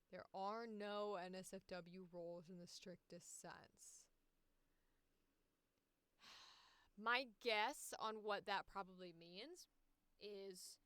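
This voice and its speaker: A woman's voice: mid-range voice, fairly bright tone, clear, resonant tone, no room sound. A woman hosting a casual livestream, thinking aloud as she looks through listings and reads bits out. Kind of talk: casual livestream chat, reviewing audition listings.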